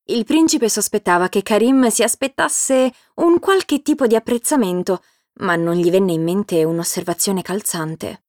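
Woman reading a kids' story aloud, steady, mid pitch, dry close sound. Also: unhurried, dry recording. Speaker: narrator. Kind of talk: scripted storybook narration.

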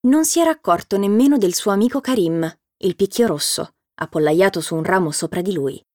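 A woman narrating a children's storybook in a steady, clear reading voice. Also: mid-range voice, fairly quick, no echo, clean studio sound.

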